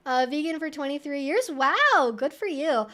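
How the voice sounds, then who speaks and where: A woman's voice: high-pitched, animated, normal speed, bright, forceful tone. A woman hosting a casual live Q&A, chatty and rambling as she thinks aloud while answering viewers. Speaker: livestream host answering viewer questions. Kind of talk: casual live Q&A chat, reading out viewer messages.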